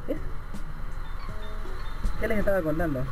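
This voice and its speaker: A man's voice: sits high, expressive, unhurried, music in the background, low-quality recording. A young man from Ecuador, chatting casually and rambling while riding a motorbike, a bit congested from a cold. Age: young adult. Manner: rambling, joking, loses his train of thought. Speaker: motovlogger. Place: riding a motorbike on city streets, outdoors. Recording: clear traffic and wind noise.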